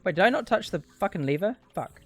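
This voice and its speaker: A man's voice: high voice, lively intonation, fast talker. A man giving casual livestream speedrun commentary in a dry, rambling, sweary way. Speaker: video game speedrunner and streamer. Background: game music.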